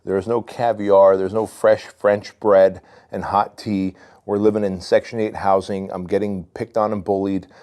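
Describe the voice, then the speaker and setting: A man's voice: lowish voice, level tone, measured pace, dark tone. A man in his forties from Armenia, a podcast guest telling his story in a candid, loose way. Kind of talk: casual storytelling.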